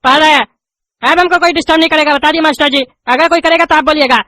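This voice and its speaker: Brief: woman doing a bright-voiced, quarrelsome bald male student, flavour, in a comedy skit. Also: high voice, fairly even intonation, quick pace. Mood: argumentative. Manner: argumentative, stumbling through reading. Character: cheeky bald male student who argues back.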